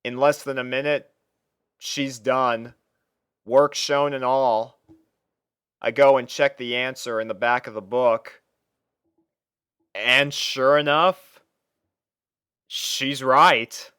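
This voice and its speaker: A man's voice: medium pitch, fairly even intonation, slow pace, pauses often, pushed and bright, smooth, no echo, clean studio sound. A man reading a first-person fan fiction story as narrator, dramatising the character's thoughts.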